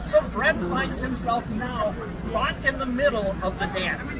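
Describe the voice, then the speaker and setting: A man performing as a bard, telling a story live to an audience in old-fashioned, theatrical Renaissance faire phrasing with dramatic pauses. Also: very high-pitched. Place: outdoors at a Renaissance fair. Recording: noisy outdoor fair with crowd chatter.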